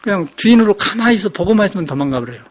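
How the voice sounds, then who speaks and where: Older monk with a slight Jeolla accent. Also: male voice, high-pitched, very animated, rapid-fire. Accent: slight Jeolla Korean. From Jeolla region, Korea. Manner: folksy storytelling, chuckles, acts out quoted speech. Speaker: Buddhist monk giving a dharma talk. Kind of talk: sermon.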